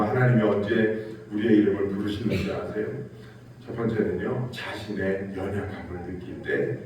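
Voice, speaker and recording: A man's voice: mid-range voice, slight background noise. A male pastor giving a Sunday sermon in a church sanctuary, telling stories and acting out quotes with rising and falling emphasis. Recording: echoey church hall, distant mic.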